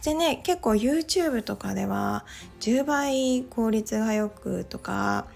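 A woman's voice: a little high, slow pace, gravelly, a little mellow, soft background music. A woman talking casually on her own podcast, chatty and full of little fillers as she goes. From Japan. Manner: chatty, many filler "well"s. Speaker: podcast host. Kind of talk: casual monologue.

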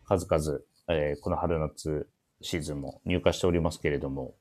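A man's voice: rumbling low, fairly even intonation, normal speed, a little mellow, husky. A man hosting a casual radio chat, politely prompting his guests and often chiming in with short agreeing responses. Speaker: radio show host.

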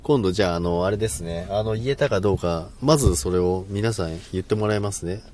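Male streamer, low voice, casual and self-deprecating, trips over his words. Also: fast, a little mellow, slight background noise. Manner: laughs often, polite and self-deprecating, stumbles over words. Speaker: live stream host. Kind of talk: casual live chat.

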